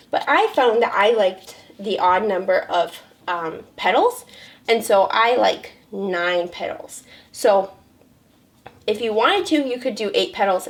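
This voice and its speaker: A young woman with a hoarse, raspy voice, talking through a crochet pattern step by step, counting stitches aloud and correcting herself as she goes. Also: mid-range voice. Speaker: crochet pattern designer teaching a tutorial. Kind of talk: step-by-step crafting tutorial.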